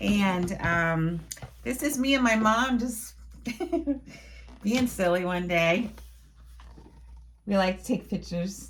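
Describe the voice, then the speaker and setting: Somewhat breathy and at a medium pitch, a woman speaks at a very slow pace with long, frequent pauses. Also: ordinary pitch variation. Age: 60s. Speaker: fragrance reviewer. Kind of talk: casual talk to camera.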